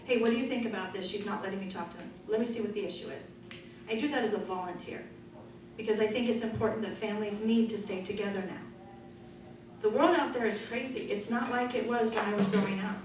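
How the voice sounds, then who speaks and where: A middle-aged woman speaking as a political candidate at a forum, loud and forthright in a conversational way. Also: mid-range voice, quick pace. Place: meeting room. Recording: echoey room from far off, noisy.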